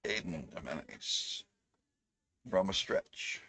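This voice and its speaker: A man doing relaxed play-by-play commentary on a youth baseball game, trading jokes with his co-host. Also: deep voice, takes it slowly, breathy edge. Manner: relaxed, joking banter with co-host. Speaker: play-by-play announcer.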